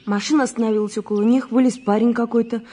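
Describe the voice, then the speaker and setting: Brash young female witness, played by an actress: colloquial, chatty, materialistic, muted tone with a husky edge. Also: on the high side, steady tone, fast talker, warm tone, close to an everyday voice. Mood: earnest, recalling. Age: young adult. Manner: colloquial, chatty, dismissive interjections. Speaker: actor in an audio play. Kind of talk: naturalistic radio drama dialogue.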